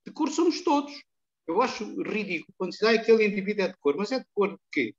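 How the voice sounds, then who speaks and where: An older man from Angola, a guest in an interview over a video call, telling anecdotes in a calm, chatty way. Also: high voice, fast talker. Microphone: webcam on a video call. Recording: dull, lo-fi video call audio.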